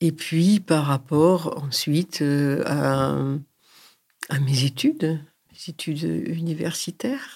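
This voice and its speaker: Very deep and low, a woman's voice carries a dark, mellow tone. Her pitch varies in an ordinary way. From southern France, Montpellier. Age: 70s. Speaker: retired local politician. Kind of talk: interview. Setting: at her home. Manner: halting.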